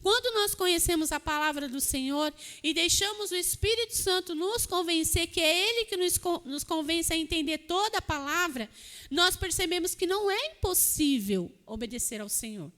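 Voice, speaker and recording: A woman's voice: extremely high pitch, lively intonation, moderate pace, a bit bright. A woman preacher giving an earnest sermon, often asking the congregation for an amen. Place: church hall. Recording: long church-hall reverb.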